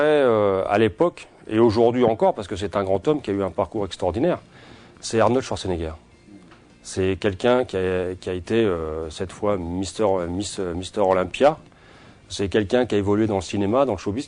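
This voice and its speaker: With a lowish, somewhat dark voice, a Portugal-born man in his forties who owns a security company responds to interview questions haltingly, restarting often and leaning on fillers.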